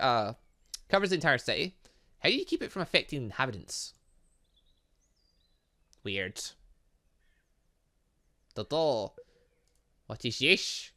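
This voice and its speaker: A man reading visual novel dialogue aloud as a gaming host, playfully breaking in with his own asides and reactions. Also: medium pitch. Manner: animated, interjecting, playful asides.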